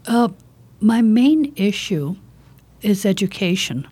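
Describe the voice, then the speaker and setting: A woman in her fifties with a slight South Asian accent, answering as a political candidate in an interview, earnest and deliberate in short phrases. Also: mid-range voice, very animated, dark tone, husky. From India and Pakistan. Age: 50s.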